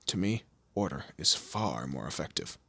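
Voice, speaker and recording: Man playing a gravelly, low-voiced, imperious demon lord. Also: big pitch swings, normal speed, bright, forceful tone, no echo, exaggerated voice. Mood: probing, menacing. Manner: imperious, theatrical, drawling threats and teasing. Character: male demon lord, commanding, menacing, teasing boss of hell. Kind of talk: scripted audio roleplay addressed to the listener.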